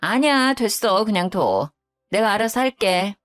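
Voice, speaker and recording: A woman's voice: fairly high pitch, very animated, moderate pace, soft background music. A woman voicing a grumbling, self-pitying widowed mother-in-law who speaks curtly. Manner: curt, self-pitying, sighing.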